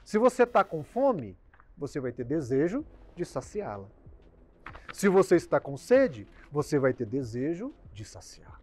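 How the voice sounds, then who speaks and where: A Brazilian man, a doctor, explaining habits in an emphatic talk that swings from loud bursts to quiet endings. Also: a little high, big pitch swings, unhurried. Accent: Brazilian Portuguese.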